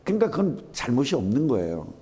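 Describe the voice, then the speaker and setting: Animated preaching man, mellow voice. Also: medium pitch, fast talker. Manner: animated preaching, rhetorical questions. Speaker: pastor. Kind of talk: sermon. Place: church sanctuary.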